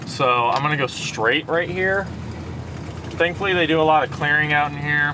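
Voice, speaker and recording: This man's voice sits at a fairly high pitch, and his intonation stays fairly even at a moderate pace. Noticeable background noise and audible room echo fill the recording. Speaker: vlogger. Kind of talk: vlog narration. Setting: outdoors, in a truck. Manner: loud; shaky.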